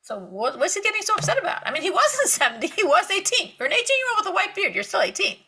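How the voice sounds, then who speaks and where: Bright, gravelly woman teaching Torah. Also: very high voice, fast, slight background noise. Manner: animated storytelling with emphatic repetition; laughs lightly between points. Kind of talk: spiritual lecture to women.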